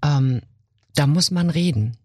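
Husky-voiced actor guest telling playful stories. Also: medium pitch, unhurried, darkish tone, no echo, clean studio sound. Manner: playful, theatrical storytelling. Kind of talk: casual podcast chat.

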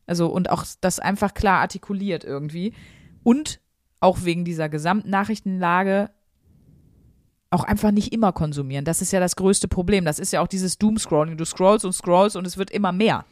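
Chatty woman, lowish dry voice. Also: moderate pace, a little mellow, no echo. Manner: chatty, earnest, talks it through with many fillers. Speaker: podcast co-host. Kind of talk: casual podcast chat.

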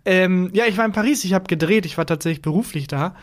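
High-voiced German man, lively storyteller. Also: fast talker. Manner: animated storyteller, hums tunes and mimics voices. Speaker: podcast co-host. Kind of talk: casual chat.

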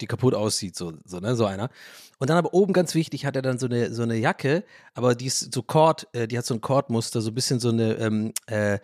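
A man hosting a casual solo podcast, talking in a rambling, animated way, restarting his sentences and often breaking into laughter. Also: medium pitch, no room sound, studio quality. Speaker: podcast host.

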